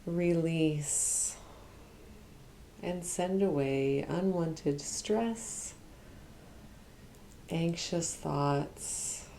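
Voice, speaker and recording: Female meditation guide, low and very creaky, soft and soothing, drifting toward a whisper, faint hiss behind. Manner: hushed, soothing, slow with long pauses, at times whispering. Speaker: Reiki practitioner and meditation guide.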